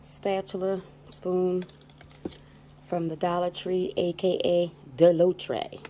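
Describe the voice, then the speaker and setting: A woman's voice: on the low side, little pitch movement, takes it slowly, mellow. A woman vlogger giving a casual show-and-tell narration, recorded indoors on a handheld phone. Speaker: vlogger, channel host. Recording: noticeable background noise on phone recording.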